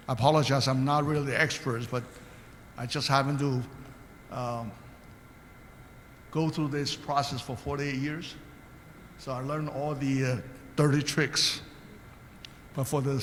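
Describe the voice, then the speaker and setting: A man's voice: medium pitch, fairly bright tone, slight background noise. An older man from Taiwan, speaking earnestly as a guest on a panel, telling anecdotes with hesitant restarts. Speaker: guest speaker, state commissioner. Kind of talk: panel talk answering questions. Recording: reverberant hall.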